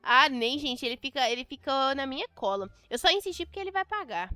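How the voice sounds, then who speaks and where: A woman's voice: high-pitched, lively intonation, fairly quick, pushed and bright, dry recording, soft background music. A Brazilian woman commenting on a game in a chatty, dramatic, playfully exasperated way, talking straight to her viewers. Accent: Brazilian Portuguese. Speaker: gameplay youtuber. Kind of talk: casual gameplay commentary.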